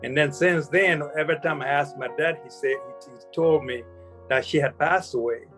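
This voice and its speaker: Halting older man telling his story. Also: fairly high pitch, faint music behind. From Vietnam. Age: 60s. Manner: halting, restarts phrases, soft-spoken. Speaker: guest. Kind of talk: interview, personal story.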